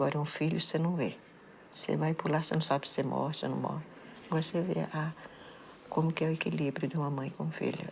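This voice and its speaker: A woman talks at a very fast pace. Her speech is broken by long, frequent pauses. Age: 70s. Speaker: bereaved mother, interviewee. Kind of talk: interview testimony.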